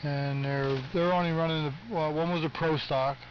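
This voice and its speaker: A muffled AM radio signal with heavy static carries an older American man. His voice sits fairly high, and he talks in a folksy, chummy way, like a casual ham radio operator. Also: steady tone, moderate pace. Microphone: ham radio transmission.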